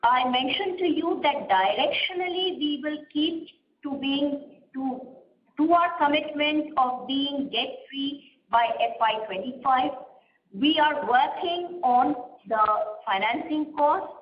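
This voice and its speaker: A woman, a company executive answering questions on an earnings call in a measured, explanatory way, pausing often with "uh". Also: high-pitched, lively intonation. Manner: measured, explanatory, frequent "uh" pauses. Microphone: conference call line. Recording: roomy, slightly muffled conference line.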